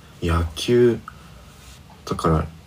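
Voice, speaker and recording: A man's very deep, low voice at a fairly slow pace, over noticeable background noise. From Gifu, Japan. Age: 30s. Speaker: podcast co-host, singer-songwriter. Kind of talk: casual chat.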